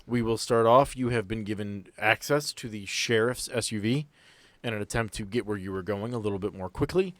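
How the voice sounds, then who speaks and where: A man narrating a tabletop game as game master, setting scenes in a conversational, halting way. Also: on the low side, no echo.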